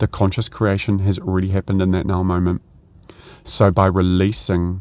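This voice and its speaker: A soft-spoken man with a very deep, low pitch talks in a calm tone and monotone, flat intonation at a moderate pace. The sound is dry and close with no echo. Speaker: energy healer. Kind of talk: guided meditation. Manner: calm, soft-spoken.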